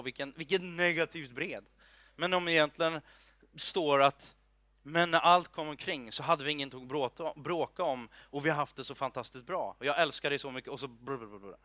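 A preacher with a slightly high, sharp-toned voice, recorded dry, delivers an informal, chatty sermon explaining a Bible passage. He makes joking asides, uses many fillers and restarts, and checks in with listeners by asking "are you with me."

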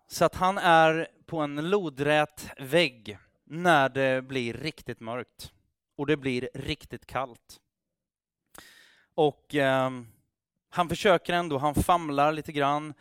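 A man's voice: a little high, fairly even intonation, a bit bright, clean tone, no echo, studio quality. Man telling a sermon story. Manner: conversational, with frequent restarts and acted dialogue. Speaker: preacher.

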